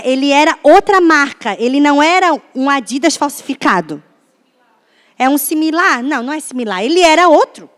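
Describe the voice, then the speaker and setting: A woman pastor from Brazil preaching a sermon in a church, often turning to the audience with questions in a chatty way. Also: high-pitched. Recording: echoey church hall.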